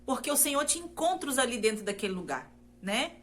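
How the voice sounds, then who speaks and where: A woman's voice: fairly high pitch, very animated, quick pace. A woman from Brazil sharing a personal faith testimony in an earnest, repetitive way, often turning to her listeners directly. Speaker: testimony speaker.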